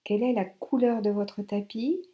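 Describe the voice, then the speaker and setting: A woman instructor leading a guided yoga relaxation in short instructional phrases with pauses. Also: a little high, fairly even intonation, warm tone.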